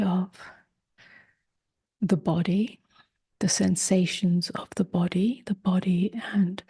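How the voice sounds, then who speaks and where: A woman leading a guided meditation, speaking softly in short phrases with long pauses, gentle and often close to a whisper. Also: medium pitch. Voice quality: soft, breathy, husky, often near a whisper. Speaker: meditation teacher.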